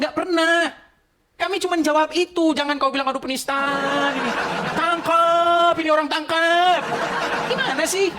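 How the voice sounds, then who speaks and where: A man's voice: very high-pitched, fairly bright tone. A man hosting his own channel, talking straight to a phone camera in a heated, emphatic livestream monologue. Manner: emphatic, heated, repeats "gitu loh". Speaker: channel host.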